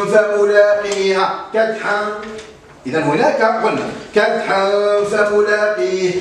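A man with a high voice teaches a recitation lesson. He speaks patiently and draws words out slowly so pupils can follow. He was recorded from a distance in a very echoey room, with faint hiss behind him.

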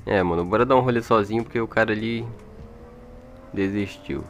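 A man's voice: lowish voice, fairly quick. A man with a Brazilian accent giving casual, slangy, chatty gameplay commentary into an old microphone. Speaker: gaming video creator. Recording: music behind, old microphone.

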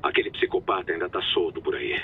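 A man's voice: deep voice, lively intonation, fast talker, slight background noise. A man voicing a weary, sarcastic detective father, heard through a tinny radio transmission. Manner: dry, bitter sarcasm. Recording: tinny radio line, game music behind.

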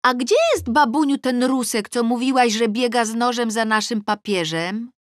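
Audiobook role: woman as innocent small girl, high and clear, bluntly inquisitive. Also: moderate pace, no room sound, clean studio sound, lightly acted. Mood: innocent curiosity. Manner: crystal-clear, innocent questioning. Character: small curious daughter, innocent little girl asking blunt questions.

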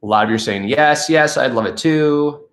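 Viewer messages get read aloud by this upbeat, chatty channel host, a man in his thirties whose allergies have him stuffed up. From his living room couch, he speaks at a moderate pace in a mid-range, fairly bright voice to a camera close in front of him.

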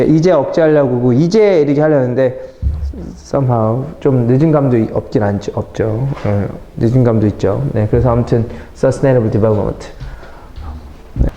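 A middle-aged man teaching English vocabulary in a lively classroom lecture, mixing English phrases into his explanations and talking to his students as kids. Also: mid-range voice, highs cut off. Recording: echoey classroom with faint noise.

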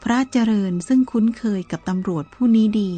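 A woman reading a Buddhist novel aloud in a calm, measured storytelling manner, with soft music behind her. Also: on the high side, breathy edge. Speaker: narrator.

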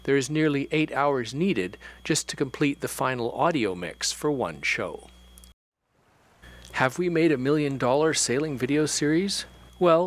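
Lively-pitched male documentary narrator. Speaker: host and narrator of a sailing series.

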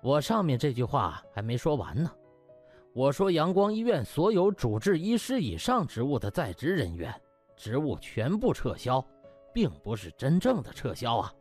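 A male narrator acts out a smug male hospital boss from a comic audiobook. He is condescending and falsely jovial, with very animated intonation over background music. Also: mid-range voice. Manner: chuckling, measured, condescending.

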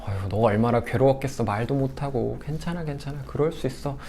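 A man voicing a gentle parent comforting a scared child in a soft, soothing way. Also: medium pitch, a little fast, a little hiss or hum, lightly acted.

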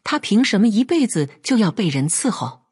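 Lady reading as a fed-up young wife, husky low voice, scolding, pitch all over the place. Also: very animated, moderate pace, a little mellow. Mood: indignant. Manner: scolding, indignant. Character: sharp-tongued young wife, angry and proud.

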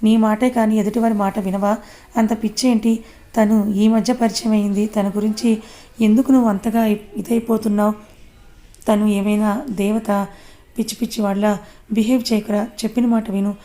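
A woman's voice: medium pitch, little pitch movement, fairly quick, warm tone, close to an everyday voice. A woman voicing a worried young man who scolds and pleads with his friend.

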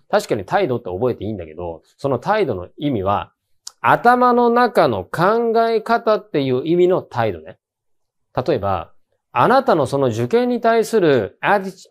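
A man giving a relaxed online English lesson, his pitch rising and falling a lot as he talks. He keeps asking the viewer questions and says the example words out loud so they can be copied. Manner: chatty, asks the viewer questions, models English words aloud. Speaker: English teacher for university entrance exams. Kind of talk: casual online lecture.

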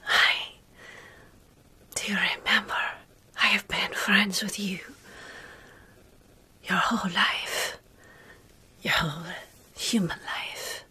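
A woman in her thirties whispering slowly and soothingly in an ASMR roleplay, playing a caring, centuries-old vampire close to the microphone. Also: medium pitch, steady tone, breathy edge. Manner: soothing, hushing, slow and deliberate.

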